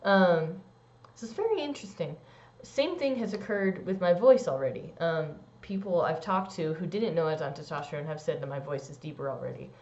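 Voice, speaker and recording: Chatty young trans man, lively swooping voice. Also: fairly quick. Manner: rambling, many likes and ums; swoops up into high squeaky bits. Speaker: vlogger. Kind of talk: casual personal update. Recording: dull lo-fi sound.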